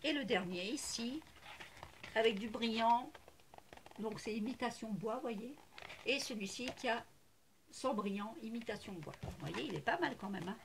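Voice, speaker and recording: A woman's voice: a little high, expressive, normal speed, slight background noise. A woman chatting casually to camera about her craft haul, hesitant with many fillers, gushing and repeating herself. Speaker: crafting vlogger showing a haul.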